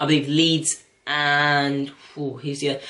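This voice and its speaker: The speaker has a British accent. Noticeable background noise runs through the clip. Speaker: solo podcast host. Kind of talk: solo podcast monologue. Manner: fast.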